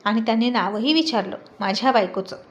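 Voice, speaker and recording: A woman's voice: fairly high pitch, a little fast, highs cut off, close to an everyday voice. A woman doing a shy, teasing young husband. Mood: hushed teasing. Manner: hushed, teasing.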